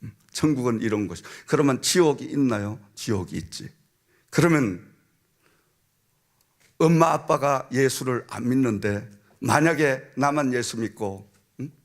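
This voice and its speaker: A man's voice: mid-range voice, animated, unhurried. A man preaching a sermon as senior pastor, telling a story and acting out the voices of its people, often asking "eh?" of the congregation. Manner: storytelling preacher, acts out a child's and a minister's voices, frequent "응?" and "아멘". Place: church sanctuary.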